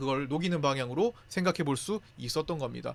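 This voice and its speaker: A man speaks with lively intonation. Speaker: stock market commentator. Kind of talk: market review broadcast. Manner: fast.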